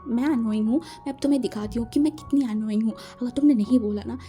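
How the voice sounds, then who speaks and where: A woman's voice: a little high, fast talker, mellow, soft background music, natural voice. A woman voicing a playful, doting young father who teases and coaxes his son. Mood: teasing. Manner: teasing, pleading, coaxing.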